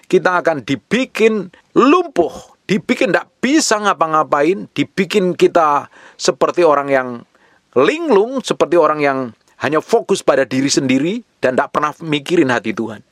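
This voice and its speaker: A man's voice: fairly high pitch, lively intonation, normal speed, no room sound, studio quality. A man preaching a sermon to a congregation, addressing them directly and repeating phrases for emphasis. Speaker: pastor.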